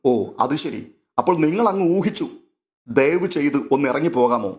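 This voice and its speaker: A man's voice: on the high side, expressive, normal speed, close to an everyday voice. A man voicing a stern middle-aged husband who questions sharply. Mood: angry.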